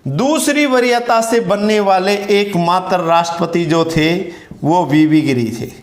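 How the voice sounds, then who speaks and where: Male teacher, high voice, slow emphatic delivery, echoey room, drills key words. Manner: emphatic, repeats key words and quizzes students. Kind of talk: exam-prep lecture with memory tricks.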